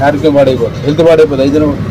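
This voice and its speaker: A middle-aged man chats briskly as he goes about his day. He speaks as a father, quick and coaxing with his kids. The recording is noisy, with traffic and street sound clearly heard behind him. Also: a little high, fairly even intonation. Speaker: vlogger and father. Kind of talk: casual family vlog chat.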